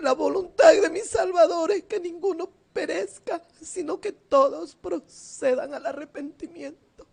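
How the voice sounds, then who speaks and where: A woman evangelist delivers an emotional sermon, her voice often close to tears. She speaks very high with a gravelly fry and preaches fervently while seated. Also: measured pace, hardly any pauses, darkish tone. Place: seated indoors.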